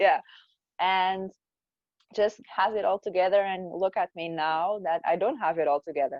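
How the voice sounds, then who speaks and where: At medium pitch and a moderate pace, a woman with a non-native accent speaks with ordinary pitch variation and long, frequent pauses. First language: not English. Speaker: entrepreneur and podcaster. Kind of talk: podcast interview. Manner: halting, frequent self-corrections.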